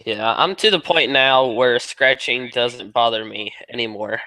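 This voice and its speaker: A man's voice: medium pitch, a little slow, bright, forceful tone, no echo, poor audio. A man hosting a casual conversation, agreeable and conversational. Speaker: host.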